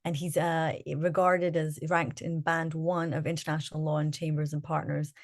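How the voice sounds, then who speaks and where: A woman moderating a community briefing, introducing a lawyer and asking him questions in a measured way. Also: deep voice, level tone, no room sound, clean studio sound.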